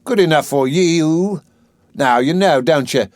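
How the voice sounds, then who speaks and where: A man's voice: fairly high pitch, a little slow, no room sound, studio quality, voice pushed up, lightly acted. A man voicing a proud, touchy young flower girl with a saucy, defiant manner.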